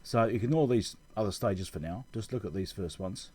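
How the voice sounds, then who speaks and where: A man giving an informal technical explanation as a channel host, halting and correcting himself as he thinks aloud. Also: fairly low pitch, a little mellow, slightly rough. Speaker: electronics repair channel host.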